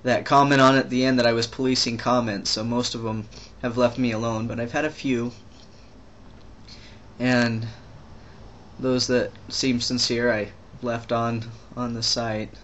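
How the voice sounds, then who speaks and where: Rambling young trans man on a flat hum. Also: mid-range voice, dull audio. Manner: rambling, halting, many restarts and fillers. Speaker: vlogger. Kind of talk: casual video diary.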